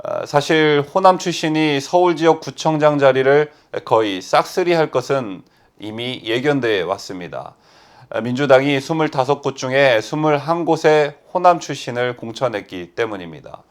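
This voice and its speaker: A middle-aged man reading political news commentary at a steady pace, often opening sentences with "ah". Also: medium pitch, moderate pace. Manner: steady reading with frequent "ah" fillers.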